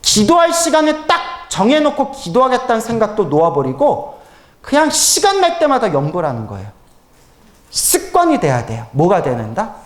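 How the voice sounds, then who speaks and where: Lively storytelling monk in roomy hall. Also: male voice, high voice, moderate pace. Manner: lively storytelling, acts out dialogue, laughs often. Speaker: Buddhist monk lecturer. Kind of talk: humorous dharma lecture. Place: temple lecture hall.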